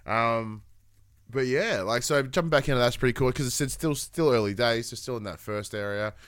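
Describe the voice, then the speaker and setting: Male podcast co-host, casual and rambling, smooth low-mid voice, dry sound. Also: brisk, a bit bright, no room sound. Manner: rambling, upbeat, lots of fillers and restarts. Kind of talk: casual gaming podcast chat.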